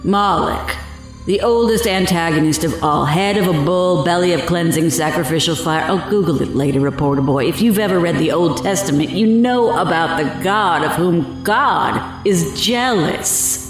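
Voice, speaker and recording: A woman's voice: lowish voice, close to an everyday voice. A woman playing an evil, taunting cultist witch in a horror audio drama, gloating and mocking as she speaks. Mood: fervent, sinister. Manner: gloating, mocking, slow and deliberate, cackling. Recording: very echoey, music underneath.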